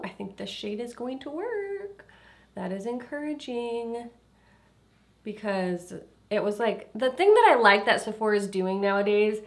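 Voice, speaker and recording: A young woman reviewing a foundation in a casual vlog, congested and a little nasal, chatty with lots of fillers. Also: mid-range voice. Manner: chatty, filler-heavy, trailing into quiet asides. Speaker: beauty vlogger. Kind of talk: casual product review and makeup demo.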